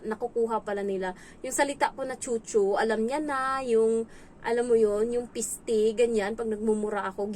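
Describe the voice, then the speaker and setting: Chatty Filipina helper. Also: female voice, mellow. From Philippines. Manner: chatty, acts out quoted voices in a high pitch. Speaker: domestic helper vlogger. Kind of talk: casual storytelling vlog. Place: indoors in her employer's home.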